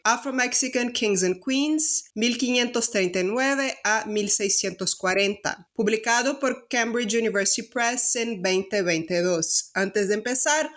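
A Brazilian woman whose first language is Portuguese, hosting an academic book interview podcast in a measured, formal way. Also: on the high side, a bit bright. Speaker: podcast host.

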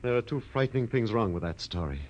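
Man acting anxious businessman, wheezy smoker, mid-pitched, fussily polite and urgent, vintage radio play, slightly noisy recording. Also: lively intonation, fast, highs cut off, natural voice. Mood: agitated, urgent. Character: anxious, fussy, wheezing male cosmetics businessman. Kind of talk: 1940s radio drama acting.

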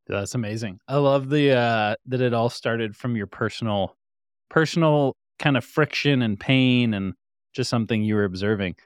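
A man's voice: medium pitch, normal speed, clean tone, dry recording, clean studio sound. A man hosting his own interview show, asking friendly, upbeat questions in a casual way. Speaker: show host.

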